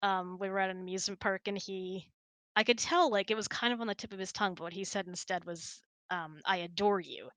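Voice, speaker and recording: A woman's voice: mid-range voice, fairly even intonation, brisk, fairly bright tone, dry recording. A woman hosting, chatting casually and telling personal stories in a conversational way. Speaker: host.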